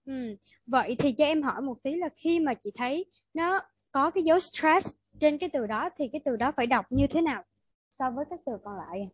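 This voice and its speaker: A woman's voice: sits high, expressive, fairly quick, no echo, rough recording. A woman with a Vietnamese accent tutoring English pronunciation online, patiently modeling words and repeating them for her student.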